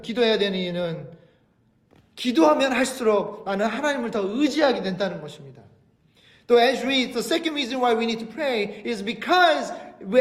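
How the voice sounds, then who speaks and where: High-voiced man preaching in an echoey church. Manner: explains each point in Korean, then restates it slowly in English; asks the congregation rhetorical questions. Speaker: pastor. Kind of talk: bilingual sermon, Korean with English rendering. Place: church sanctuary.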